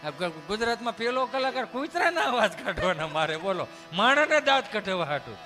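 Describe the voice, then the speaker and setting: Performing live comic stories, this storyteller from Dhari in Saurashtra, Gujarat, speaks with a Kathiawadi Gujarati accent, chatty and playing out each character's lines. His voice sits high and sounds very animated, a little fast, bright and forceful. The sound is that of a big room, with soft music underneath.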